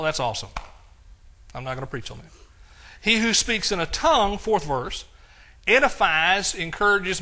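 A man's voice: high-pitched, pushed and bright. An older man preaching a sermon, reading scripture aloud with rising emphasis and explaining it in a casual, conversational way.

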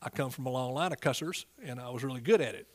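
A man's voice: medium pitch, quick pace. A middle-aged man with an East Texas accent preaching a sermon in a folksy, emphatic way, prompting listeners as he goes.

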